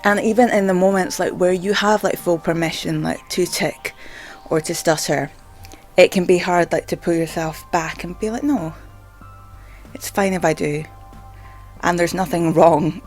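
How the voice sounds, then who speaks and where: Talking to camera in a loose, rambling way, a stammering video blogger hesitates often and fills gaps with frequent "like." Faint music plays beneath a mid-range voice that holds fairly even intonation at normal speed.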